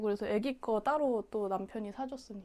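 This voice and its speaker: A woman talks at a moderate pace with a fairly high pitch. Her tone is dark and mellow. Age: 30s. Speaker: homemaker on parental leave. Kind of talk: casual home tour chat. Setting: at home.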